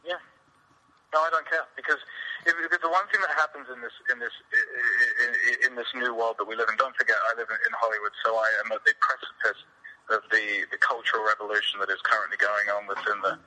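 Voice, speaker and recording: A man's voice: medium pitch, fairly even intonation, fast talker, pushed and bright, rough recording. A man from England with a British accent, speaking as a guest in a candid, rambling interview. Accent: British English. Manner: outspoken, rambling with frequent restarts. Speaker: podcast guest.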